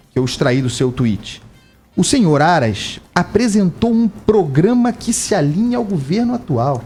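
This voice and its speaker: A Brazilian man delivering live radio commentary in a fairly high voice. He speaks with emphatic indignation, and his voice jumps up on key points. Faint music plays under him. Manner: emphatic, indignant, animated pitch rises. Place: radio studio.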